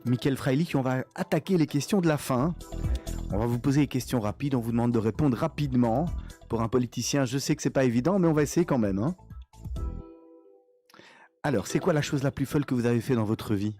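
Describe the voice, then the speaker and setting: A man's voice: medium pitch, brisk, warm tone, soft background music. A man interviewing a guest on radio, putting questions in a conversational way.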